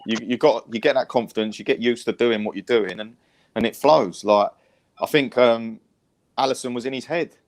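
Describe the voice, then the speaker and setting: A man's voice: medium pitch, normal speed. An English man giving casual post-match analysis as a fan, emphatic and repeating his phrases to press a point. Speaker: football fan panellist.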